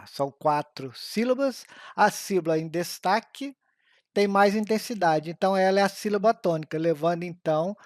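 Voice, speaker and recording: A man reads an exam-prep grammar lesson, slowing down carefully over the examples. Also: high-pitched, dry recording, clean studio sound. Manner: slow, careful reading of examples.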